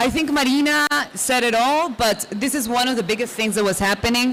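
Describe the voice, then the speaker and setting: A woman with a Spanish accent speaks at a high pitch and a moderate pace, with ordinary pitch variation. Her loudness stays very even, and there is noticeable background noise. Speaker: health researcher. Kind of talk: conference presentation. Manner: halting.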